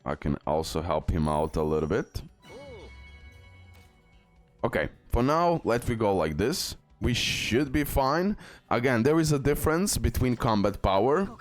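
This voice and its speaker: A YouTube gaming host with a low voice talks viewers through gameplay in a casual guide, explaining things, repeating himself and checking in frequently. Music sits behind his voice.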